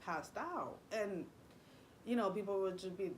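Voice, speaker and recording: A woman's voice: medium pitch, lively intonation, a little slow, slight background noise. A young woman, a native Spanish speaker, telling a personal story in a rambling, confiding way with many fillers and restarts. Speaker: vlogger.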